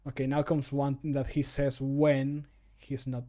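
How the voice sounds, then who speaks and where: A man's voice: medium pitch, level tone, unhurried, dark tone. A man in his thirties chatting casually as a streamer, joking and poking fun at himself, with the odd swear word. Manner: joking, self-mocking, sweary. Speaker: streamer recording mod voice lines. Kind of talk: casual chat to viewers. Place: small room at home, indoors.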